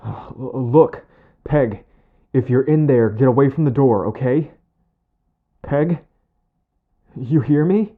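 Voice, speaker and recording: A man's voice: medium pitch, slow, narrow, tinny audio. A man acting a concerned, protective friend in an audio drama, with a casual, hesitant manner. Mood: worried, urgent.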